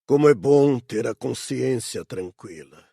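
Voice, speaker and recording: Man playing a gravelly, remorseful old hunter spirit. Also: medium pitch, animated, unhurried, warm tone, dry recording, studio quality, exaggerated voice. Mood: relieved. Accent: Brazilian. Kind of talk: dramatised audiobook narration.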